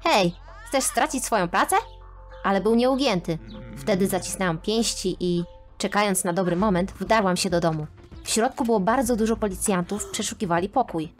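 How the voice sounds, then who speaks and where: Woman narrating a dramatic animated story. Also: medium pitch, fairly quick. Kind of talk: scripted first-person narration of an animated story. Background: faint background music.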